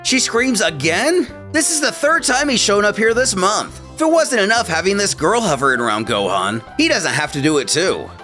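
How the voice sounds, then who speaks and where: A man's voice: on the high side, very animated, normal speed, hardly any pauses, sharp tone, faint music behind. A man voicing an exasperated, nagging middle-aged mother who scolds.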